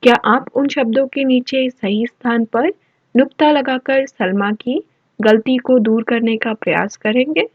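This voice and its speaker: A woman teacher slowly walking children through a worksheet, explaining patiently word by word. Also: on the high side, no room sound. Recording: dull lo-fi voice-over.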